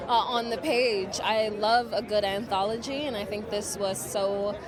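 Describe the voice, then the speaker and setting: A woman's voice: mid-range voice, fairly even intonation, measured pace. A woman, an actress, chatting casually in an interview. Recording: very loud crowd behind.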